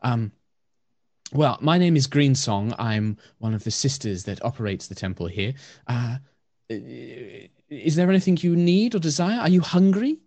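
A man voicing a gentle blind wood elf woman who runs a temple, speaking softly, kindly and with stammers. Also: mid-range voice, a little slow, dry recording. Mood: welcoming. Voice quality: soft, breathy.

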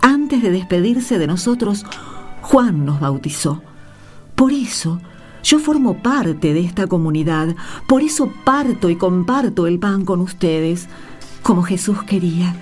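Woman acting as low-voiced, heartfelt storyteller over music. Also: lively intonation, measured pace, a little mellow. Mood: moved, hopeful. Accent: Argentine. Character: emotional woman narrator remembering a desert journey of faith. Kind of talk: radio play narration. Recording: music under the voice.

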